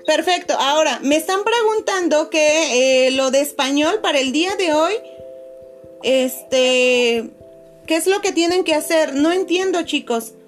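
Woman, schoolteacher, patient, filler-heavy, video call, high voice, faint music behind. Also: animated, measured pace. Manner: patient, many fillers, calls pupils "chicos" and "corazones". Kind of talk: online class video call.

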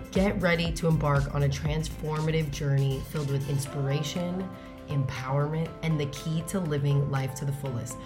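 An American woman hosting a podcast interview, upbeat and chatty as she introduces the show and asks questions. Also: deep voice. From United States. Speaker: podcast host.

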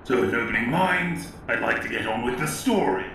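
A man's voice: medium pitch, lively intonation, brisk, creaky, fairly bright tone. An actor playing a grumpy, dying elderly writer turned overlord in a comedy audio drama, impatient and sardonic as he tells his story. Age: older. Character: grumpy dying elderly George Orwell, future Big Brother overlord. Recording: very echoey, distant, faint noise.

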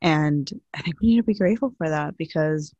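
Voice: medium pitch, brisk, a little mellow, no room sound. Young podcast co-host with a dull, dry sound. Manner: chatty, earnest, fills speech with "like". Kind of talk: casual chat.

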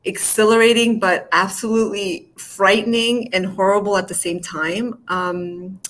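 A woman in her forties, originally from Chile, speaks as a filmmaker guest on a podcast. Her voice sits at an ordinary middle pitch, and her answers come out relaxed and candid, with easy laughter. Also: measured pace, rough recording. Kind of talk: casual interview answers.

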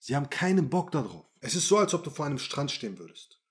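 A man's voice: a little high, very animated, fast talker. A man coaching male listeners in a podcast monologue, blunt and crude, talking straight to the listener and repeating phrases for emphasis. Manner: brash, blunt and crude, addresses listener directly. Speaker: dating and self-confidence coach. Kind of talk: direct-to-camera podcast monologue.

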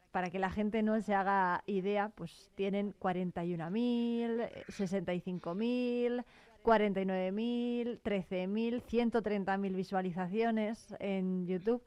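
A woman hosting a radio interview, briskly and friendly prompting her guest. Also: mid-range voice, warm tone, smooth, no room sound. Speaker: radio host.

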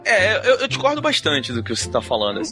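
Brazilian male co-host; high, bright, earnest, stumbles into sentences. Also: huge pitch swings, fast talker, faint music behind. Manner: earnest, argumentative, repeats words when starting. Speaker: podcast co-host. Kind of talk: casual chat.

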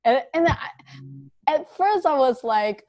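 Young singaporean woman w a deep voice hosting a podcast, chatty and upbeat, dry sound. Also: expressive, a little slow, darkish tone, no room sound. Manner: chatty, upbeat, lots of fillers. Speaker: podcast host. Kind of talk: casual podcast chat.

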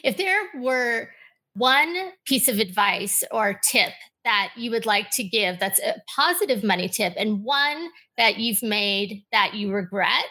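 Bright, affirming female interviewer. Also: mid-range voice, lively intonation. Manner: warm, affirming, with quick assents. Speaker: guest interviewer. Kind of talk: conversational interview.

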